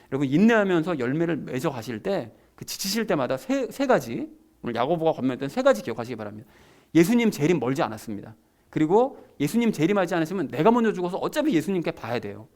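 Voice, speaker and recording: A man's voice: fairly high pitch, very animated, quick pace, darkish tone. A man preaching a sermon as pastor, talking conversationally and emphatically to his congregation.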